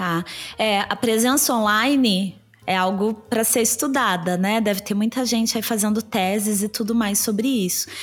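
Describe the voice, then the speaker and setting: Somewhat breathy, fairly high female voice at a moderate pace, with fairly even intonation and very even loudness. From Campinas, São Paulo state, Brazil. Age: 40s. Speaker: journalist and coffee business founder. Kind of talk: casual chat.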